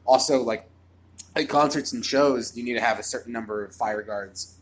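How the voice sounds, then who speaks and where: A man's voice: mid-range voice, slight background noise. A man in his twenties, a comedian, chatting casually at a bar and rambling with lots of fillers. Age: 20s. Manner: rambling, talks fast with many fillers. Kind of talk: casual chat.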